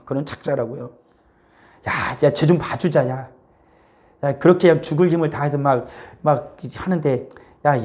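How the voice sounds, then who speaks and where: A male pastor preaching a sermon in church, animated, acting out little dialogues between a father and his child. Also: on the high side. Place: church sanctuary.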